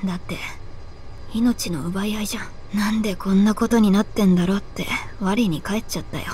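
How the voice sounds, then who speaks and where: A woman's voice: medium pitch, brisk, warm tone, slight background noise, natural voice. An actress voicing a casual, outspoken teenage girl soldier who leads the story, talking frankly with boyish phrasing. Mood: uneasy. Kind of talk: game voice acting. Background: game music.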